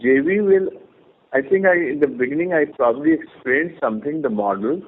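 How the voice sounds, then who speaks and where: Executive on a tinny phone line. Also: male voice, on the high side. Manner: measured, explanatory, with restarts. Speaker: company executive answering analysts. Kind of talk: earnings call answers.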